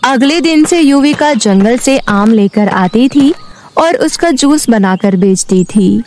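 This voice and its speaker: A woman tells a children's cartoon story in steady, clear narration. Her voice sits fairly high. Soft music plays behind her. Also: slow.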